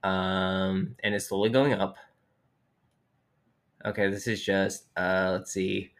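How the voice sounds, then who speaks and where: A woman co-hosting a casual home podcast, reading out statistics haltingly with many fillers and swearing casually, her voice a bit worn. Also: rumbling low, level tone. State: losing her voice. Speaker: podcast co-host. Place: home, cats moving around.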